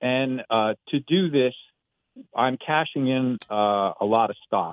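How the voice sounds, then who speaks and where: An ordinary speaking voice, a man at medium pitch with lively intonation and a fairly slow pace. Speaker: caller. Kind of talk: phone-in question. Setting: phone call.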